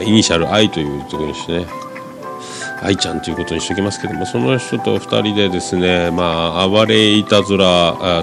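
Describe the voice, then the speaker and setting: A man with a Fukuoka accent and a nasal, stuffed-up voice from a cold, hosting a podcast in casual, rambling talk. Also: low voice. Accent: Fukuoka Japanese. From Fukuoka, Japan. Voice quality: nasal, congested voice. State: has a cold. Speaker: podcast host.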